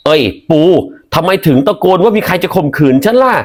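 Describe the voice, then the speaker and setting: A man's voice: high voice, lively intonation, fairly quick, slight background noise, pitched above the performer's own voice. A man voicing a lecherous, gullible old man who sounds eager and easily flustered. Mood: confused.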